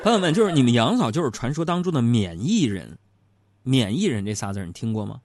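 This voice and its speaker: A man's voice: medium pitch, sing-song, fast talker, background noise. A middle-aged man, hosting a talk show and telling funny stories about his married life in a chatty, teasing way. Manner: joking, teasing, chatty storyteller. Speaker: radio-style program host. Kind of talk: humorous storytelling talk show.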